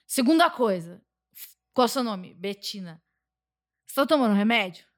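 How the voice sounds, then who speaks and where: A Brazilian woman talking casually as a podcast guest, telling stories in an animated, talkative way. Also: a little high, normal speed. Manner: talkative, animated storytelling with frequent laughs.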